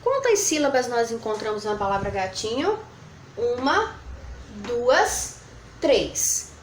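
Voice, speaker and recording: A woman teacher with a fairly high, very lively voice, drawing out syllables as she counts them for young pupils. Her lesson is recorded in an echoey room with faint noise behind. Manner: slow, drawn-out syllable counting, sweet diminutives. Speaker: primary school teacher. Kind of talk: recorded review lesson for children.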